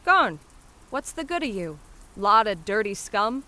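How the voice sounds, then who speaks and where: A woman voicing a brash, warm-hearted young Cockney flower seller who scolds and hawks her wares in a dramatic poem. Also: medium pitch, big pitch swings, measured pace, pitched above the performer's own voice. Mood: scolding, exasperated. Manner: street-hawker cries, scolding and dropping h's. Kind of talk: dramatic poetry performance.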